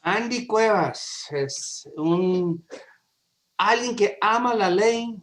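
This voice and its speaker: A man from New York in his forties with an American accent, a lawyer and webinar guest, speaking in a friendly, halting way with restarts. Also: high-pitched, a bit bright. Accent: American English. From New York, USA. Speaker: immigration and real estate lawyer.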